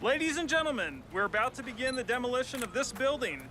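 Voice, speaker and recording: Demolition site announcer dude, really high raised voice, formal, kids radio drama, machinery noise. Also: male voice, lively intonation, quick pace, bright, forceful tone, full character voice. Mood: official. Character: official male demolition foreman addressing onlookers. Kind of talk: children's radio drama acting. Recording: noisy outdoor demolition site effects. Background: machinery sound effects.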